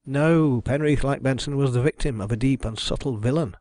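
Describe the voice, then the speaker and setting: A methodical detective read by a male narrator lays out deductions with calm assurance. The delivery is measured and precise, mid-pitched, in a dry audiobook recording. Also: no echo, lightly acted. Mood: assured, reasoning.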